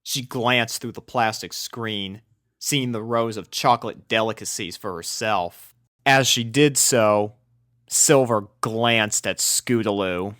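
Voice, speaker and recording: A man's voice: fairly low pitch, slow pace, fairly bright tone, no echo. Man narrating a story, close and dry. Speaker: fan fiction narrator.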